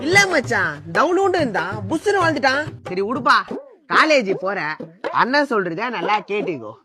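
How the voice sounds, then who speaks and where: A man's voice: very high voice, very animated, fairly quick, crowd noise. A man acting in a comedy sketch as a cocky older-brother type who gives swaggering, boastful advice. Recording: clear background music.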